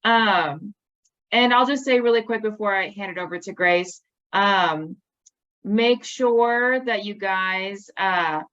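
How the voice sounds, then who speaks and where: A woman's voice: mid-range voice, fairly bright tone. Young female host, casual and filler-heavy, slightly muffled video-call sound. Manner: casual, filler-heavy, with many ums and likes. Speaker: program host. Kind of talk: casual event hosting.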